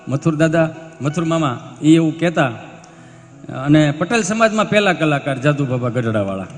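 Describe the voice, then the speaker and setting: A man, a folk stage comedian telling stories and acting out characters' dialogue. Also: on the high side. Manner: animated, acts out characters in dialogue. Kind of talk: live stage storytelling. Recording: long hall reverb, faint music.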